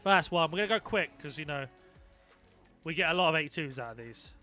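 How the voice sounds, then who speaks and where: A man's voice: a little high, lively intonation, a little fast, pushed and bright, faint music behind. A young man chatting casually on a live stream, swearing freely and reacting to his viewers. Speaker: gaming streamer.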